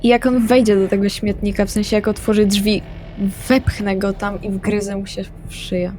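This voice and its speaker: Woman player with a medium-pitched voice. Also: flat delivery, normal speed, dark tone, faint music behind. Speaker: roleplay player. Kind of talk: in-game narration.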